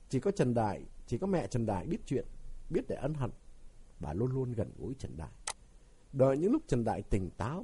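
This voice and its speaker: Brief: male narrator, husky voice, lively pitch, dramatic novel reading.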